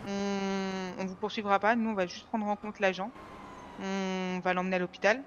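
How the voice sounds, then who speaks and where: Man playing an even-toned, formal police negotiator. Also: sits high, highs cut off, slight background noise. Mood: conciliatory. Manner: measured, polite, hesitant, procedural. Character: calm, formal police negotiator bargaining for a colleague. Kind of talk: improvised roleplay in an online game.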